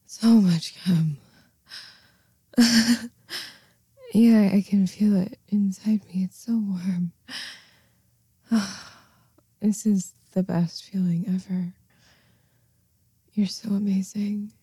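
A woman voicing a shy, eager young woman lover, speaking softly with breathy whispers into a close microphone. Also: medium pitch, takes it slowly, pauses often, no echo. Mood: tender, drowsy. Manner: soft, breathy, often whispering. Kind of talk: intimate audio roleplay.

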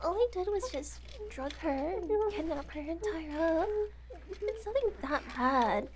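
A woman's voice: very high-pitched, lively intonation, measured pace, noisy background. Woman playing a giggly unhinged kidnapper girl. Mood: defensive. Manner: giggly, teasing, whispery asides. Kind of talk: audio roleplay acting.

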